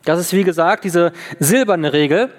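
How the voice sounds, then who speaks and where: A man's voice: high-pitched, moderate pace. A man preaching a sermon, earnest and repeating phrases for emphasis. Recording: long hall reverb.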